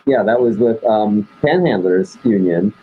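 A middle-aged man and band member, reminiscing wryly in a relaxed, husky voice. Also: lowish voice, measured pace, narrow, tinny audio, a little hiss or hum. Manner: reminiscing, wry, relaxed storytelling. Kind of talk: casual interview chat.

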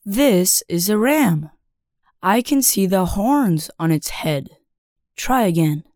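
A man voicing a small golden-haired boy who asks gently and keeps insisting, in a storybook reading. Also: sits high, expressive, slow pace, no echo, studio quality, pitched above the performer's own voice. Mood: insistent. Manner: gentle, persistent requests.

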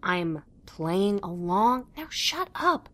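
Eager, excitable young woman acted by a woman. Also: medium pitch, slow pace, exaggerated voice. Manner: earnest and excitable, playing along politely. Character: eager young woman who believes in ghosts. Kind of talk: audio drama acting.

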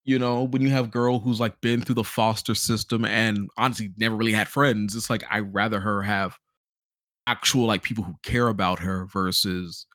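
A man co-hosting a podcast, giving a casual game review in an animated storytelling way, acting out reactions. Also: lowish voice, moderate pace, no room sound, clean studio sound. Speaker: podcast host.

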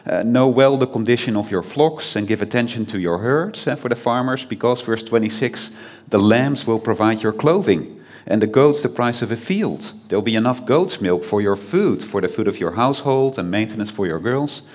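A man's voice: medium pitch, lively intonation, moderate pace, darkish tone. A man from the Netherlands with a Dutch accent, giving a chatty, informal sermon as a guest preacher, full of fillers and restarts.

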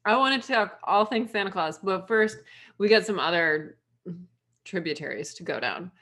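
A woman's voice: medium pitch, lively intonation, moderate pace, fairly bright tone. Woman podcast host, casual chat. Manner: friendly, laughs while talking.

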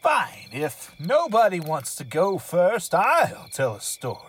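Man doing an excitable podcast host, high voice, swoopy, self-important and giggly. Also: slow, slight background noise, exaggerated voice. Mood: smug, self-important. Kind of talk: scripted comedy hosting in character.

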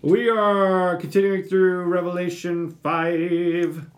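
A man's voice: high voice, flat delivery, takes it slowly. A young man hosting a casual Bible study chat, explaining a passage with many fillers and restarts. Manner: chatty, lots of fillers and restarts. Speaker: Bible study podcast host.

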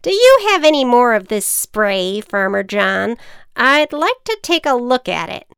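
A woman's voice: a little high, sing-song, a little slow, gravelly, fairly bright tone, smooth, no room sound, studio quality, pitched above the performer's own voice, full character voice. A woman voicing a quirky wicked witch who speaks with confident, matter-of-fact authority in a children's storybook. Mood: bossy, matter-of-fact.

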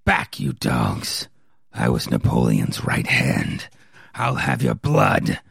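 A man's voice: very deep voice, wildly swooping pitch, slow, fairly bright tone, no echo, clean studio sound, pitched below the performer's own voice, full character voice. A man voicing a menacing, boastful vampire baron in a theatrical, threatening growl, as in a dramatic villain reading. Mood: furious, threatening. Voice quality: gravelly, raspy growl. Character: menacing, boastful vampire baron, proud old-world swordsman.

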